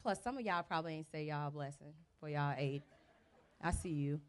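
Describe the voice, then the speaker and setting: A woman's voice: sits low, normal speed. A young adult woman with an American accent, giving an informal, chatty presentation as a teacher coach, speaking into a handheld mic. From United States (Birmingham, Alabama and Cleveland, Ohio). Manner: chatty, casual, colloquial. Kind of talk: informal presentation to a live audience. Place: outdoors under a large event tent. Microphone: handheld mic through PA speakers.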